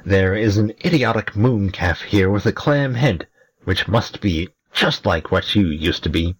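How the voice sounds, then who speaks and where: A man voicing a tiny, lively male imp who teases and mocks, with a husky voice. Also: fairly low pitch, measured pace. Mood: mocking. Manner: teasing, mocking.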